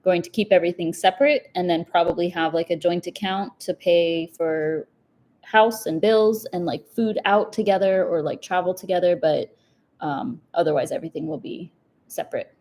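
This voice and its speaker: A woman's voice: fairly low pitch, moderate pace, a little mellow. A young woman hosting a casual live chat about personal finance, chatty and upbeat, with lots of "like" and easy laughs. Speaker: personal finance livestream host. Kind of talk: casual live chat answering viewer questions.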